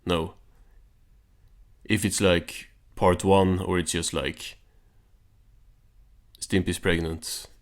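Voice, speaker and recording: A man with a low-pitched voice hosts a cartoon recap. His delivery is informal and deadpan, like offhand commentary. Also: very slow, long pauses.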